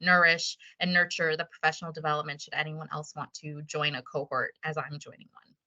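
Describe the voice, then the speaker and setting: A woman's voice: low voice, level tone, fairly quick, sharp tone, highs cut off. A woman hosting an online meeting, chatting casually and encouragingly over a video call. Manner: upbeat and encouraging. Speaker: meeting host.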